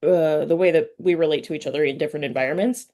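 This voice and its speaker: A woman's voice: deep voice, fast talker, mellow. A woman interviewer in casual, personal conversation, earnest and often searching for her words. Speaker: podcast interviewer.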